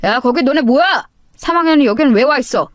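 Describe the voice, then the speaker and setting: A strict middle-aged schoolteacher barking orders at students, as a woman narrator puts him on. His voice sits a bit high and loud for a man, over faint music. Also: animated, fairly quick, dry recording, clean studio sound. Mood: stern. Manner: stern, commanding. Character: stern middle-aged male homeroom teacher.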